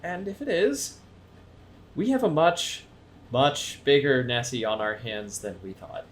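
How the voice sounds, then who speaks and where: Guy acting thoughtful monster investigator man, highish and really animated, explains stuff tentatively, audio drama, noise behind. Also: measured pace, natural voice. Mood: tentative, intrigued. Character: Reese, thoughtful, well-informed male monster investigator. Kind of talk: naturalistic audio drama dialogue.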